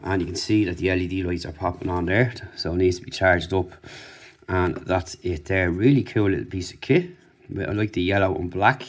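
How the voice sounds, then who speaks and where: Low-voiced man doing a casual product review. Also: a little fast. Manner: informal, off-the-cuff demonstrating. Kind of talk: casual unboxing and review commentary.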